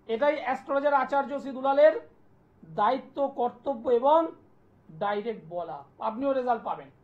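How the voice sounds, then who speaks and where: A man, an astrologer hosting a live TV call-in show, delivering an insistent, repetitive pitch and taking callers' details. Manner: insistent, repetitive sales pitch, listing place names. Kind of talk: live TV promotional talk and phone call-in. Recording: dull lo-fi broadcast sound.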